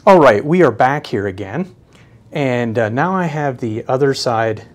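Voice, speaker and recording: Guy doing an offhand gear review, average pitch, kinda halting and hunting for his words. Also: lively intonation. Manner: hesitant, halting, often searching for words. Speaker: product reviewer. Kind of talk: casual unscripted product demonstration.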